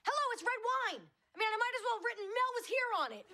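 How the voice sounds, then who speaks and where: A neurotic, easily flustered woman in a sitcom. The voice is high and animated, defensive and pleading, with faint noise behind it. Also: quick pace. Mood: panicked. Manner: flustered, pleading, over-explaining. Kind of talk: sitcom acting.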